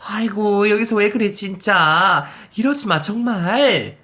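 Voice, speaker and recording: A man's voice: fairly high pitch, measured pace, fairly bright tone, pitched above the performer's own voice. A man voicing a firm, caring older mother-in-law who scolds emphatically in a narrated story. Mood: pleading.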